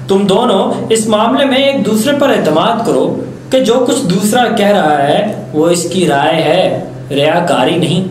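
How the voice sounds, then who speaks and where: A man giving a dramatic reading of literary Urdu prose in a theatrical, deliberate, rhetorical manner with emphatic pauses. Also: sits high. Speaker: literary reader. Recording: very echoey, faint background noise.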